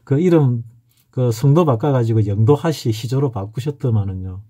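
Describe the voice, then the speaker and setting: A middle-aged instructor of saju fortune-telling, originally from Gyeongsang in South Korea, lectures casually with a strong local accent, drifting through anecdotes and repeatedly breaking off and restarting. His voice sits in the mid range and is dark, mellow and a bit husky.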